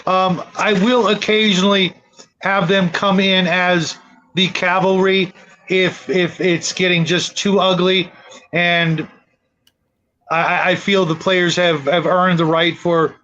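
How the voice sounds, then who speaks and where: High-voiced man hosting, slightly muffled. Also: flat delivery, slow, pushed and bright. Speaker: host of a tabletop gaming discussion show. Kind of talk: casual panel discussion.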